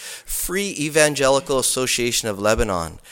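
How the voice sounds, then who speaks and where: This is a man with a normal speaking voice and a Canadian accent. He talks at medium pitch and a fairly quick pace. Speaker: mission organization representative. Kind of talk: church talk introducing a ministry. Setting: church.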